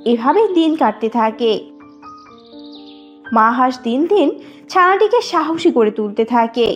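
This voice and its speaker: A woman's voice: fairly high pitch, expressive, a little slow, muffled recording, soft background music. A woman reading scripted narration for a children's cartoon story.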